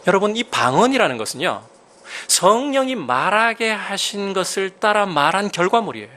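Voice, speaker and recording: A man preaching a sermon as a pastor, emphatic, with sudden rises in pitch and loudness and questions put to the congregation. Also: very animated, moderate pace.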